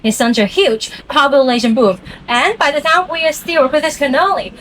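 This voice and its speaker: A woman with a Hong Kong accent guiding a walking tour outdoors on a city street. She explains things briskly and keeps asking the group questions. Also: high-pitched, a bit bright, slight background noise, low-quality recording. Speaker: tour guide.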